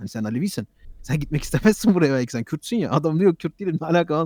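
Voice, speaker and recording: Very fast, animated delivery with lively intonation and a dry, close sound with no echo. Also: man. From Germany. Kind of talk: heated debate.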